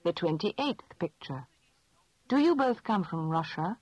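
A woman asking measured, clearly spoken questions in a scripted language lesson drill. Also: on the low side, sing-song, a little mellow, no room sound. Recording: dull lo-fi dry recording.

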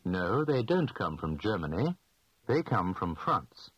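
Male, low and slightly husky, precise enunciation for a recorded language drill, dry sound. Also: big pitch swings, a bit bright, dry recording, lo-fi sound. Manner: slow, clearly enunciated answers. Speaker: language lesson speaker.

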